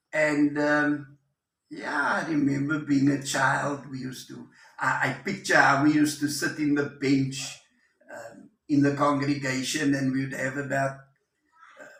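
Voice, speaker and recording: In a room with audible echo, a man speaks fairly slowly in a monotone, flat intonation at a fairly high pitch. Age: 60s. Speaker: church member. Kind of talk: interview testimony.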